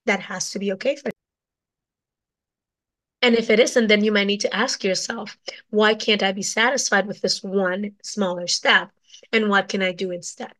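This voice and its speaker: Woman communication coach, raspy with a cold, solo lesson from her office, keeps asking "right?". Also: medium pitch, steady tone, normal speed, long pauses, bright, forceful tone, rough recording. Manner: asks "right?" after most points. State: hoarse from a cold. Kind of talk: solo teaching talk.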